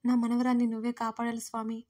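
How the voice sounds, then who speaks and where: A worried grandmother over 60, read by a female storyteller, scolds and pleads for her granddaughter. The voice is somewhat high and flat in melody. It is an audio storybook reading. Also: fast, close to an everyday voice. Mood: scolding, pleading. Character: anxious old grandmother, protective.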